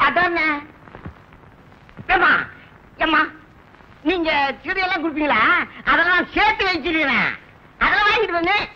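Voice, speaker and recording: A shrill boastful servant. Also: male voice, animated, normal speed, pauses often, sharp tone, lo-fi sound, a little hiss or hum, full character voice. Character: boastful comic male servant, full of tall tales. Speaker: household servant. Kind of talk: 1980s Tamil film comedy.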